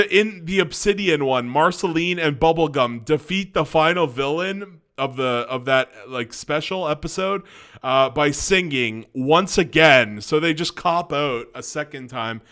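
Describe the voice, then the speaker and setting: A man's voice: a little high, a bit bright. Stuffy-voiced young man rambling casually. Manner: rambling, many restarts and fillers. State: stuffy from a cold. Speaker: cartoon review vlogger. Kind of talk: casual spoken review.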